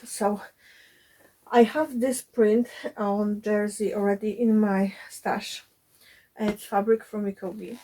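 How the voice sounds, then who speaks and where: A woman's voice: mid-range voice, a little mellow, rough recording. A woman vlogging about sewing from her cottage home, chatty with frequent fillers, her voice a bit chesty while recovering from illness. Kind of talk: casual sewing vlog.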